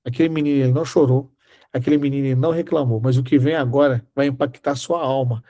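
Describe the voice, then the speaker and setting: A man's voice: medium pitch, steady tone, quick pace, dark tone. A man preaching a sermon, telling a personal story and acting out the dialogue. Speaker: Bible teacher.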